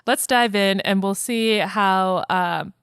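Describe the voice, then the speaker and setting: A woman's voice: mid-range voice, slow, smooth, no echo, clean studio sound. A woman co-hosting a casual podcast, chatting and reading a story aloud. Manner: chatty, reads narration in a soft even voice.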